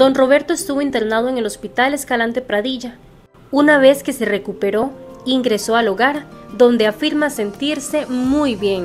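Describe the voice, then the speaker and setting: A woman talks at a high pitch while music sounds in the background. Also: ordinary pitch variation, moderate pace. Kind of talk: documentary narration.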